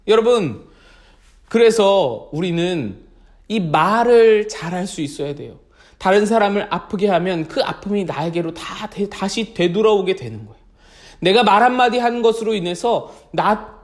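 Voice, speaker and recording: A man gives a children's sermon in a very high voice. His pitch rises and falls a lot, and he keeps asking the children questions. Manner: animated, speaks directly to children with questions. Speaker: children's pastor.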